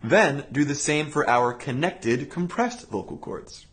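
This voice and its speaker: A man leads a voice lesson, explaining each exercise in a calm, clear, step-by-step way. His pitch moves around a lot as he talks. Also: a little slow. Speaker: voice teacher. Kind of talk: instructional voice lesson.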